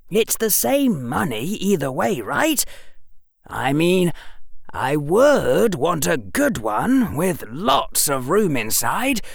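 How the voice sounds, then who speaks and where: A woman's voice: sits low, vocal fry, no room sound, studio quality, voice pushed up, heavily acted. A woman voicing a clever, eager eleven-year-old boy who argues in an earnest, wheedling way. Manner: earnest, wheedling, lawyerly reasoning.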